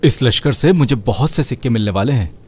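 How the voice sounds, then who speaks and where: A man's voice: mid-range voice, lively intonation, fairly quick, darkish tone, slightly rough. A man voicing a boastful but cowardly young suitor with a pleading, wheedling manner.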